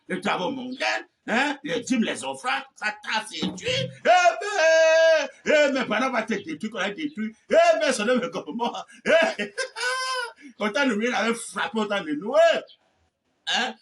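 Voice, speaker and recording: Man, preacher, shouting sermon, bright tense voice, distant mic. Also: very high-pitched. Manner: shouting, repetitive, laughing outbursts. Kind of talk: fiery sermon.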